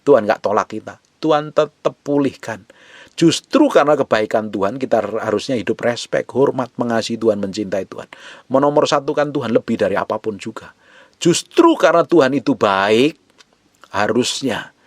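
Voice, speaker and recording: A man preaching a sermon, dropping to near whispers and then rising to loud, emphatic lines. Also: medium pitch, expressive, normal speed, dry recording. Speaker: pastor.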